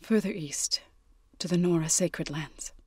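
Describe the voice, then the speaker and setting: An actress voicing an earnest young tribal woman warrior in a video game, grave and devout, with measured, careful phrasing. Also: on the low side, warm tone, slightly rough, dry recording. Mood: wistful. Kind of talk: video game character voice acting.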